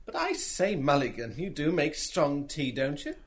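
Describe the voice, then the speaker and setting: A man playing a mild, polite young gentleman in a literary audio drama. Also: fairly high pitch, huge pitch swings, moderate pace.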